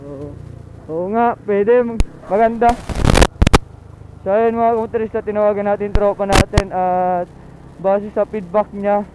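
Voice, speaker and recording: A Filipino motorcycle vlogger talks casually to his viewers while riding through traffic outdoors, often repeating short phrases. His voice is high-pitched with fairly even intonation, and he speaks unhurriedly with long pauses. The lo-fi recording sounds dull, with loud traffic and engine noise.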